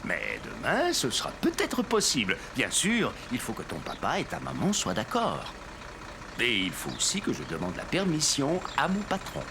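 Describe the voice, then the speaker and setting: An actor playing a friendly older school bus driver in a children's cartoon, genial and reassuring. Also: male voice, medium pitch, wildly swooping pitch, normal speed, background noise. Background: prominent music behind the voice.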